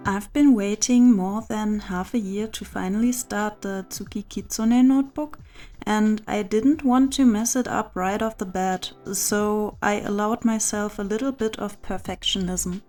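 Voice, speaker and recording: A woman's voice: medium pitch, steady tone, a little slow, a little mellow. Chatty woman narrating over music. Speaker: craft channel host. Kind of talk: scripted voice-over narration of a journal setup. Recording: music behind the voice. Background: background music.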